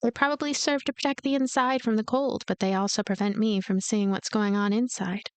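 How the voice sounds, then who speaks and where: A woman reading a game's story aloud as a let's play host, with expressive narration and casual asides. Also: medium pitch, fairly quick, clean tone, no room sound. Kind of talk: voiced narration with casual commentary.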